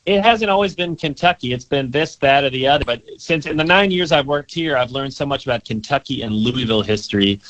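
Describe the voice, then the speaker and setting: Young male museum guide, quick-paced and eager, dry close sound. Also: medium pitch, expressive, fairly bright tone, no room sound, dull audio. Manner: eager, enthusiastic, repeats words when rushing. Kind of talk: interview answers.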